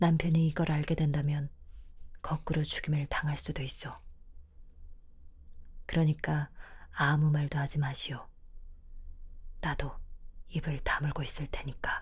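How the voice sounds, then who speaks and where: A woman with a very deep, low pitch talks fairly slowly in a calm tone, somewhat breathy. Her intonation is monotone and flat, with long, frequent pauses. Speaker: audiobook narrator. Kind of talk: bedtime audiobook reading. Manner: calm, soft-spoken.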